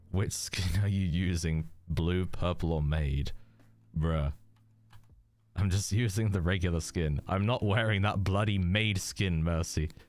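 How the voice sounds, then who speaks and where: With music in the background, a man with a very deep, low pitch speaks at a fairly slow pace and with fairly even intonation. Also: very even loudness. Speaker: Minecraft streamer. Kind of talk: live stream chat reading. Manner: casual.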